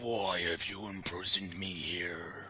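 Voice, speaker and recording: A man uses a growling put-on character voice at a fairly low pitch and fairly slow pace, with clear background noise behind him. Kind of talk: formal, archaic. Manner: grumbling, restrained, straining to break out.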